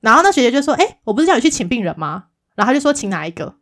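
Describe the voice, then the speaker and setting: A woman, co-hosting a casual chat podcast and telling a work story in a lively way, acting out the other people's replies. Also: on the high side, very fast. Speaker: podcast co-host.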